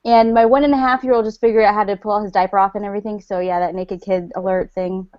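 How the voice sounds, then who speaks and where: A woman's voice: medium pitch, fairly even intonation, quick pace, no echo, lo-fi sound. Chatty, bubbly woman on a call. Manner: bubbly, chatty, full of fillers. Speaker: stay-at-home mother of three. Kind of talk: casual online group chat. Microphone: video call.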